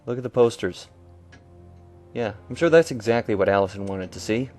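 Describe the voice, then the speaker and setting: A man's voice: lowish voice, a little fast, a little mellow, soft background music. A young man casually commentating a video game with dry, joking asides. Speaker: let's-play commentator.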